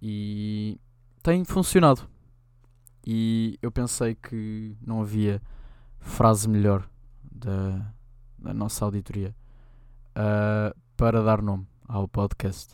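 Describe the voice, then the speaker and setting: A man with a European Portuguese accent speaks very slowly in a fairly low pitch. His intonation is fairly even, broken by long, frequent pauses. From rural Portugal. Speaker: podcast host. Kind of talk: solo casual monologue. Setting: home recording at midnight.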